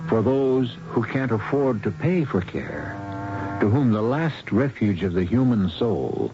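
A man hosting a radio mystery drama with theatrical, ominous, deliberate narration. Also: on the low side, very animated, background noise. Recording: dull old radio broadcast.

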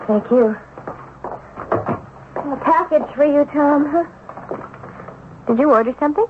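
An actress playing a skeptical, protective wife in a 1970s radio drama, with an expressive, incredulous delivery. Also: female voice, high-pitched, measured pace. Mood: curious, teasing. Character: skeptical, protective, exasperated wife of a former banker. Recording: dull, hissy 1970s radio broadcast.

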